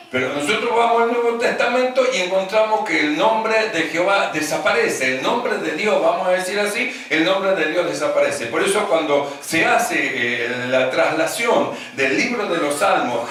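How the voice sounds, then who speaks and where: Male pastor, high and forceful voice, preaching from a distance to the mic in a very echoey church hall. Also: slight background noise. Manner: teaching, repeats key phrases, often addresses listeners as brother. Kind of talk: sermon.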